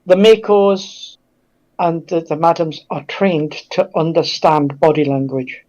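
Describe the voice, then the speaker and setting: Halting, reflective man in casual discussion. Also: on the high side, fairly even intonation, a little mellow, lo-fi sound.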